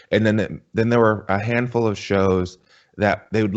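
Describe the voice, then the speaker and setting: A man speaks with an American accent. He talks at a fairly quick pace. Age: 30s. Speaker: stand-up comedian. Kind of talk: interview. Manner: animated.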